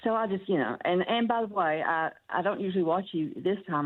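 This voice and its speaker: Speaking with a Texan accent, a woman uses a fairly low pitch, a moderate pace and lively intonation. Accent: Texan Southern US. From Texas. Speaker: caller. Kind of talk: call-in talk. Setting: phone call.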